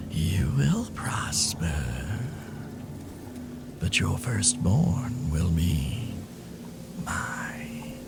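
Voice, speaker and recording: Over loud background noise, a man puts on a character voice, speaking very slowly with a very deep, low pitch. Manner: wheedling.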